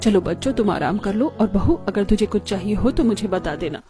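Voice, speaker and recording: A woman voicing a kind, caring middle-aged mother-in-law in an animated story, speaking in a calm, motherly tone. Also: medium pitch, brisk, faint music behind, natural voice.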